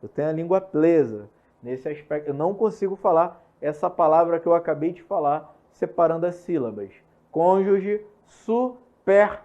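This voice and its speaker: A young man with a Brazilian Portuguese accent teaching an online law lesson, repeating key points and checking in with quick questions. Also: fairly high pitch, darkish tone. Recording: slightly muffled lo-fi recording.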